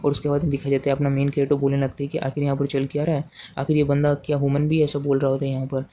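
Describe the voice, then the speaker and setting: A man's voice: mid-range voice, racing, slight background noise. A man with an Indian accent casually recapping a comic chapter, rambling and repeating himself with many fillers and restarts. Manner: speaks quotes in the same flat narrating voice. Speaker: manhwa recap narrator. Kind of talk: casual story recap narration.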